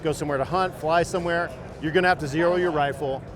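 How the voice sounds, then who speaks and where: A man's voice: on the high side, fairly even intonation, quick pace, over music. A man working as a company rep, explaining products in an enthusiastic demo. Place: busy indoor trade show floor.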